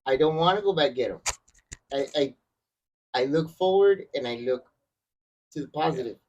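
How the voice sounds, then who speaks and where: A man in a casual podcast chat, telling his story in a halting, roundabout way and swearing now and then. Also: fairly high pitch, lively intonation, a little mellow, lo-fi sound. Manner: halting, many fillers and restarts, swears. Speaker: podcast guest.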